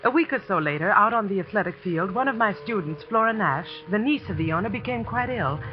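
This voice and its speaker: An actress playing a spirited young female teacher who narrates her story in a 1940s radio drama, brisk and indignant. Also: medium pitch, lively intonation, close to an everyday voice. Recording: dull old radio broadcast with music.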